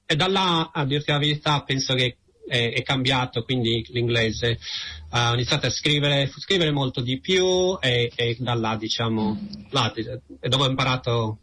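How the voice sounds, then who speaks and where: An Italian man telling personal stories in an interview, hesitant and halting, often repeating words. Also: medium pitch, bright, forceful tone. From Italy. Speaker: interview guest. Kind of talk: personal storytelling in conversation.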